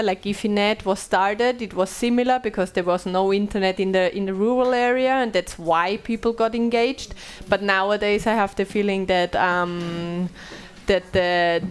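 Wearing a headset mic, an Austrian woman in her thirties leads a panel discussion in English in a small, bright meeting room. Her mid-range voice comes with a little hiss or hum, and her speech is full of fillers and restarts.

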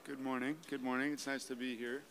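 A man's voice: medium pitch, little pitch movement, a little fast, fairly bright tone, slight background noise, poor audio. Casual young man from Los Angeles. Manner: casual, frequent "like" and repeats. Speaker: youth advisory committee guest. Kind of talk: casual radio interview. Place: open pop-up radio booth at an event. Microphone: table mic on a stand with headphones.

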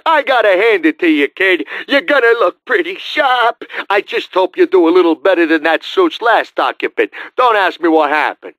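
A performer voicing a streetwise, wheedling, excitable male costume hawker in a gas mask, a wisecracking video game character full of salesman patter. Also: medium pitch, normal speed, hardly any pauses, no echo, highs cut off, lightly acted. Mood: satisfied.

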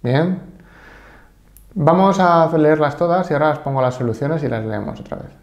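A man's voice: on the high side, roomy sound, dull audio. Spanish man teaching Japanese, patient. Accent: Spain. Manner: explains patiently, repeats example sentences slowly, checks in with "¿vale?". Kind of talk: online language lesson.

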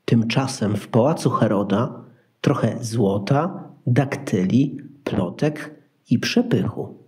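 A man's voice: medium pitch, slow, darkish tone. A man narrating a Christmas radio play in a scripted storytelling style.

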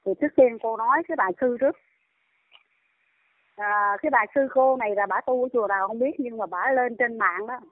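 A woman's voice: on the high side, fairly quick, no room sound. Indignant Southern Vietnamese woman on a phone line. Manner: scolding, indignant. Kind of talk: heated phone monologue. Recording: tinny dry phone line.

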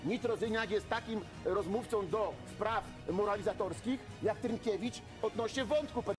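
Insistent high-voiced man arguing. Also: moderate pace, over music. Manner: insistent, accusatory, repeats points. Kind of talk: heated studio debate.

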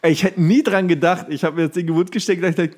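A man chatting casually as a podcast co-host, telling things in a jokey, animated way. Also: high voice, fast talker. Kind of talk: casual comedic chat.

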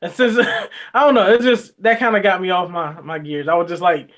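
Animated high-voiced man ranting. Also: moderate pace. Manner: animated, laughing, colloquial. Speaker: movie review co-host. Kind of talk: casual chat.

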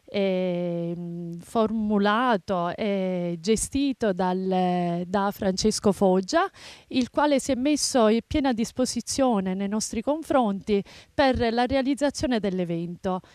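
A woman's voice: medium pitch, slow, darkish tone, smooth, no room sound. A woman promoting a cooking event, speaking formally with some hesitations into a handheld mic outdoors. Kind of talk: formal statement. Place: outdoors in a courtyard.

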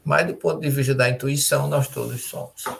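An older man, a spiritist lecturer, explaining terms in a measured way with restarts, heard over a video call from a home study. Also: mid-range voice, steady tone, gravelly, a little hiss or hum. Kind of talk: explanatory panel talk.

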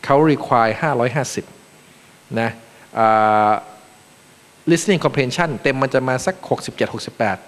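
A Thai man from Thailand, a panel speaker giving a joking, animated seminar talk in a large conference room. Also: mid-range voice, measured pace, pauses often. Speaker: panel speaker, acting vice president. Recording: long reverb of a large hall.

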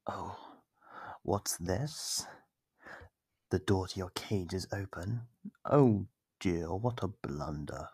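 Monster for ASMR roleplay, male actor: deep, husky, slow-talking predator, menacingly polite and playful with its prey. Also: darkish tone, no echo, studio quality, full character voice. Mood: mock surprise. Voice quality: low, gravelly, husky, often dropping to a whisper. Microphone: close, dry microphone.

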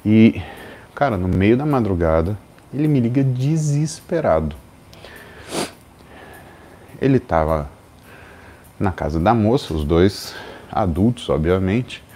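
Brazilian guy in his 40s telling a story on his live, mellow low voice, acts out the people in it. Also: expressive, slow, long pauses, a little hiss or hum. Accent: Brazilian Portuguese. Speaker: host.

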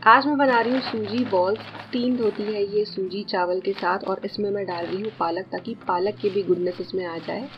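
Woman, 30s, home cooking vlogger; calm, explanatory voice-over, slightly muffled, light background music. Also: mid-range voice, a little fast, few pauses. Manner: calm, explanatory, addresses viewers directly. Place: home kitchen.

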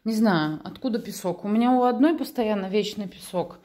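A warm-toned, mid-range voice moves fairly quickly as this mother in her thirties chats informally on her home vlog. She addresses both her camera and her toddler, indoors in the living room and bedrooms. The space sounds echoey.

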